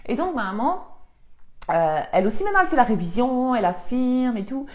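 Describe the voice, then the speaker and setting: A woman's voice: fairly high pitch, sing-song, fairly quick, a little mellow. A woman, chatting on a live stream from her home office and answering viewer comments as a spiritual coach. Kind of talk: casual live-stream chat.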